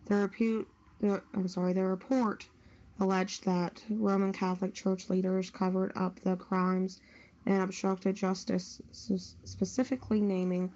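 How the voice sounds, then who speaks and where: A woman's voice: mid-range voice, flat delivery, unhurried, dark tone, highs cut off. A woman reading written news stories aloud on a podcast. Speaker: news story reader.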